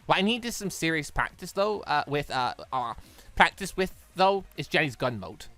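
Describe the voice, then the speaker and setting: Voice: mid-range voice, lively intonation, normal speed, fairly bright tone, faint music behind. A person doing a casual let's-play, reading a visual novel aloud and often stumbling and rereading phrases. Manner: stumbles over read lines and repeats them.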